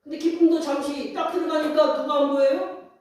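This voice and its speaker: A man's voice: very high-pitched, fairly even intonation, brisk, a little mellow. A man preaching as pastor in a folksy storytelling sermon, acting out scenes and asking the congregation questions. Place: church sanctuary. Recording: very echoey hall, distant mic.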